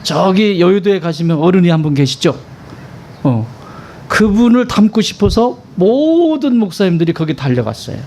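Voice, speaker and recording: A man's voice: sits high, big pitch swings, normal speed, a little mellow, a little hiss or hum. A male pastor preaching a sermon in a conversational way, asking his congregation questions and stressing points emphatically.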